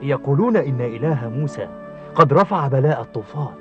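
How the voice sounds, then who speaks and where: A man playing an excitable farmer of ancient Egypt in a cartoon, expressive and dramatic. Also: mid-range voice, fairly quick, natural voice. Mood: hopeful. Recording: dull lo-fi soundtrack with music.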